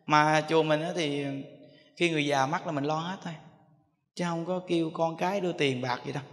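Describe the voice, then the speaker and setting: A man, a Buddhist monk, telling a story in a sermon, animated and acting out voices. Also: fairly high pitch, fairly quick. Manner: animated, acts out voices, chuckles often. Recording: reverberant hall.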